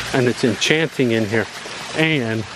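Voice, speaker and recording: The speech moves at a moderate pace over noticeable background noise, with a dry sound and no echo. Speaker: travel vlogger. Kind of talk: casual vlog chat. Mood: playful, joking. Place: garden. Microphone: phone near.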